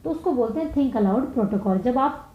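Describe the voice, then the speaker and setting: A woman with an Indian accent, a teacher working through exam questions, reading each one out slowly and then explaining it quickly. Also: a little high, lively intonation. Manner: reads English slowly, explains fast in Hindi. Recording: echoey dull room sound.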